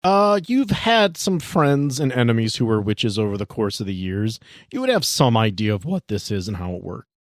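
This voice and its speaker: A man's voice: lowish voice, very animated, moderate pace, dry recording, studio quality. A man narrating as game master of a tabletop game, describing scenes casually with asides and restarts.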